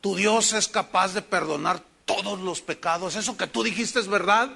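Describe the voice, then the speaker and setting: A man's voice: high-pitched, moderate pace, gravelly, pushed and bright, exaggerated voice. A man voicing a huge, remorseful northern cowboy who has killed people, asking in broken, pleading questions whether he can be forgiven. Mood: challenging.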